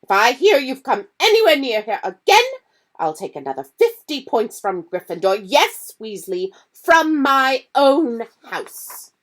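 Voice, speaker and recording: A woman reading aloud voices a stern, strict older female teacher who speaks crisply and firmly. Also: on the high side, huge pitch swings, measured pace, darkish tone, voice pushed up, heavily acted. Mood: angry scolding. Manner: crisp, firm, scolding.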